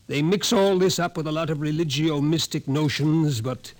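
Actor as a wry, ominous radio-drama professor. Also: male voice, on the high side, normal speed, natural voice. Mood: wry, matter-of-fact. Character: scrawny male psychology professor, wry, ominous doomsayer. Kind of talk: 1950s radio drama acting. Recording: vintage 1950s radio recording.

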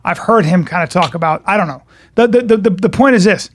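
High-voiced male podcast host, dry sound. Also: dry recording. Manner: eager questions and quick agreeing interjections. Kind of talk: casual podcast interview.

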